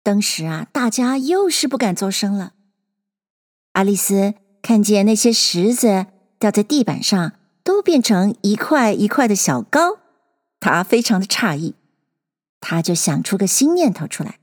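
A woman reading a translated children's classic aloud in a measured storytelling manner. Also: mid-range voice, very animated. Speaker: reader. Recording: long hall reverb.

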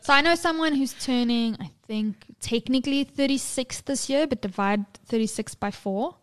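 A woman's voice: high voice, moderate pace, smooth. A woman, co-hosting a podcast in casual chat, sweary and laughing often. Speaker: podcast co-host.

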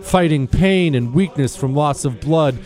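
Speaking directly to listeners, this man hosts a talk radio show in a folksy, plain-spoken conversational monologue. His voice is on the high side, unhurried and a little mellow, recorded on a close studio microphone with soft music underneath.

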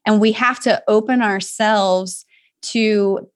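A woman's voice: medium pitch, fairly even intonation, slow. Brief: woman host, mid-range voice, affirming and reflective faith interviewer. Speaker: podcast host.

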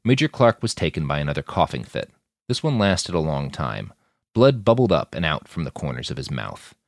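A man reading scripted audiobook narration in a measured storytelling way. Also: extremely low pitch, very animated, no room sound, clean studio sound.

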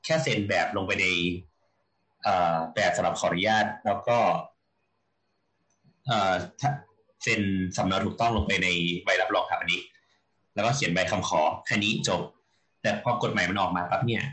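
Casual Thai man explaining, lowish voice. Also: moderate pace, pauses often, fairly bright tone. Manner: hesitant, many fillers while explaining. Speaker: podcast co-host, architect. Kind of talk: casual chat, explaining permit rules.

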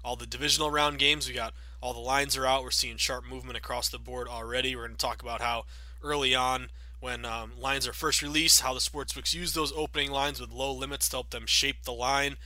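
A man in his thirties hosting a sports betting podcast, chatty and upbeat with many fillers, sounding a bit raspy from a cold. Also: medium pitch, little pitch movement, a little fast, pushed and bright, no echo. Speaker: podcast host.

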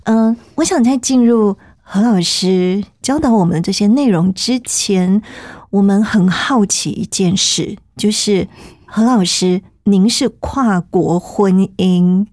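A female interview host with a soft, dark-toned voice at medium pitch. She is polite and attentive as she leads the conversation. The sound is close and dry. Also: slow, no room sound.

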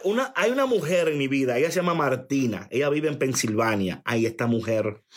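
Emphatic preacher man, fairly high voice. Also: slightly rough. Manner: emphatic, repeats phrases, calls for attention; reads chat comments aloud. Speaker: preacher on a live stream. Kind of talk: sermon-style testimony.

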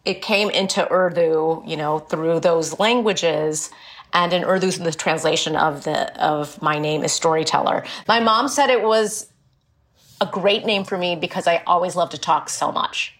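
A woman's voice: fairly low pitch, measured pace, a bit bright. A woman in her forties, born in India and raised in Illinois, talking frankly and chattily as an author guest. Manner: chatty, frank and explanatory, with light laughs. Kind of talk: casual interview conversation.

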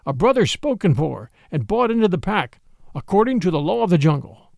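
A man's voice: sits high, very animated, gravelly, no echo, clean studio sound, full character voice. A man voicing an old, weary male wolf leader, proud and dignified, speaking solemnly in a storybook reading. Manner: solemn, measured, old-fashioned speech.

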